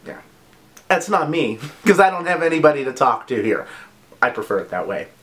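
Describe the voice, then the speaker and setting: A man hosting a casual product review vlog, chatty and gushing, with quick asides. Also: a little high, very animated, fairly bright tone. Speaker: vlog host reviewing body care products.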